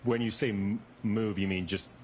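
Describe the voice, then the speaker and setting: Male expert witness, low-pitched, careful and hedging, courtroom recording. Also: fairly even intonation, normal speed, a little mellow, a little hiss or hum. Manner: careful, hedged answers with small repeated restarts. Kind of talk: courtroom testimony.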